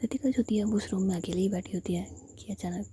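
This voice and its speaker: A woman narrating a story in a soft, steady whisper. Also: mid-range voice, fast, slight background noise.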